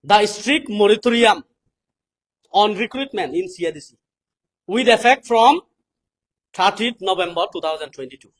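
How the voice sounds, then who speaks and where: Male political speaker, South Asian accent, notably high-pitched, delivering a deliberate, explanatory public address. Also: animated, a bit bright. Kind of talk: public address, reading English passages and explaining them.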